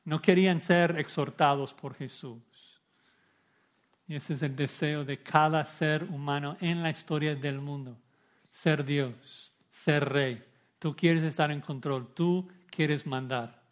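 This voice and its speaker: Fervent, higher-pitched male preacher. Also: fairly even intonation, takes it slowly. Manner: emphatic, with rhetorical questions and repeated phrases. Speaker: pastor. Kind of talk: expository sermon.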